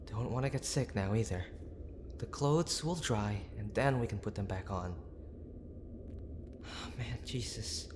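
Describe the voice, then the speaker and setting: A man acting a gruff but tender young boyfriend who is desperately worried, speaking in a halting, pleading, intimate way for an audio roleplay. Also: fairly low pitch, noisy background, close to an everyday voice. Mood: reassuring, anxious. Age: young adult. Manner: halting, pleading, with sighs and breathy asides.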